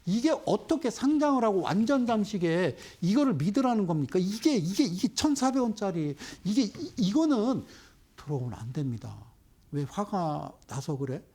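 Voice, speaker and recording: Lively scolding male stock commentator. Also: high voice, moderate pace, slightly rough. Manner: scolding with rhetorical questions. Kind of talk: investment broadcast commentary.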